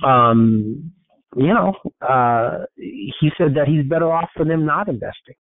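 A man's voice: fairly high pitch, measured pace, no room sound. A man giving a casual motivational talk on a group call, rambling and informal, with many fillers and restarts. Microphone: conference call line. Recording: thin, phone-like call audio.

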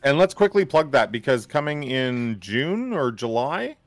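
Upbeat gravelly man hosting a stream. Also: mid-range voice, big pitch swings, a little slow, no room sound. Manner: upbeat, plugs guests. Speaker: stream host. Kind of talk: casual chat.

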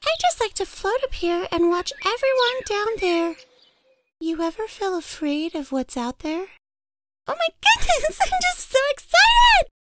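Tiny giddy girly character, squeaky high, noisy clicky recording. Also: very animated, measured pace, exaggerated voice.

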